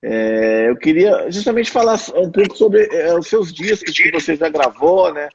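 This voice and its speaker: A man's voice: on the high side, animated, moderate pace, vocal fry. A Brazilian man hosting a casual interview as the interviewer. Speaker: interviewer, host. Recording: dull, lightly noisy online connection.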